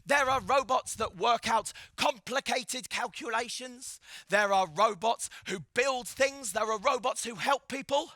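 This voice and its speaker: A man presenting a live children's science show with an excitable, theatrical manner, urging the audience to cheer. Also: extremely high pitch, measured pace, hardly any pauses, no echo. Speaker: stage presenter. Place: live event hall with an audience. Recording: music playing behind.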